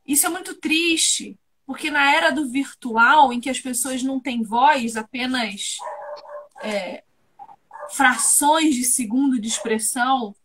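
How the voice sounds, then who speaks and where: A woman explains a Bible passage in a relaxed devotional conversation. Her voice is notably high. She sounds thoughtful and explanatory. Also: takes it slowly. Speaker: co-host of a Bible discussion. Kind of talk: casual devotional chat.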